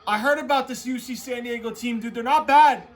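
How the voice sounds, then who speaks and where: A man talking like an excitable frat bro, hosting a casual, off-the-cuff sports reaction full of slangy asides. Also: extremely high pitch, a little fast. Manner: excitable frat-bro talk, heavy on "bro" and "dude". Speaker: host reacting to a tournament bracket.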